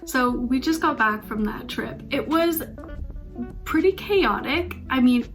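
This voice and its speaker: A woman's voice: high voice, expressive, measured pace, fairly bright tone, soft background music. A young woman from Canada with a Canadian accent, chatting casually and upbeat in a travel vlog. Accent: Canadian English. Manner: chatty, upbeat, laughs easily. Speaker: vlogger.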